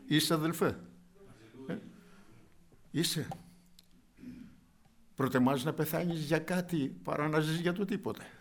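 A man preaches a fervent sermon, addressing his listeners directly as brothers and moving between quiet asides and loud outbursts. His voice is a little high and steady in tone, and he pauses often.

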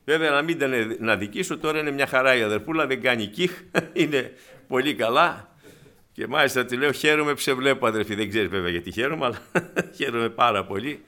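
A man preaching a sermon to his congregation, animated and acting out the voices in his stories. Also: medium pitch. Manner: animated, acts out quoted voices; addresses congregation as brothers.

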